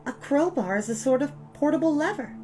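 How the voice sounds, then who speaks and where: A woman's voice: high voice, animated, fairly quick, a little mellow, soft background music, pitched above the performer's own voice. A woman voicing a clever, determined young girl who explains things eagerly and emphatically in a storybook read-aloud. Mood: excited, explaining.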